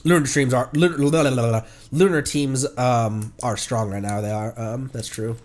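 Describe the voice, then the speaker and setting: A man's voice: mid-range voice, steady tone, a little mellow. Congested man rambling on a game stream. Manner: rambling, halting, self-correcting. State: congested, stuffed-up nose. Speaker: livestreamer, VTuber. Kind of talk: casual game stream commentary.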